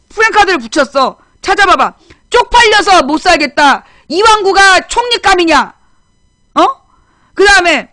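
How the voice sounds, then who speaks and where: A woman's voice: very high-pitched, fairly bright tone, dry recording. A woman hosting a political talk show, chatting bluntly and scolding, repeating her points for emphasis. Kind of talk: casual political commentary chat.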